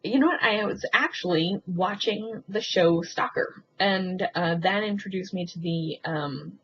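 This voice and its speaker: A woman talking in a casual, rambling confessional vlog, hesitant and halting as she thinks aloud with frequent ums. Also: lowish voice. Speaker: video blogger. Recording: muffled lo-fi sound with faint background noise.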